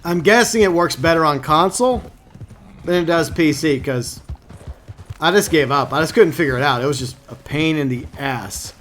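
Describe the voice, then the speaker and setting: A man talks casually on a live game stream, reading viewers' messages aloud and answering them with plenty of fillers. His voice sits a little high for a man. He grew up in Texas. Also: normal speed, a bit bright, a little hiss or hum. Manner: chatty, reads viewer comments aloud, frequent fillers.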